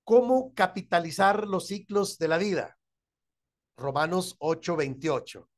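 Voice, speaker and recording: A man's voice: sits high, unhurried. A middle-aged man with a Mexican accent, a pastor teaching a church class who often asks his listeners whether they agree and chuckles as he talks.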